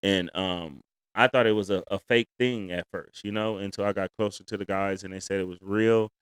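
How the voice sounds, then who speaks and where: A man's voice: deep voice, steady tone, brisk, smooth, dry recording. A man with an African American accent talking casually and emphatically on a podcast as a comedian guest, using plenty of slang.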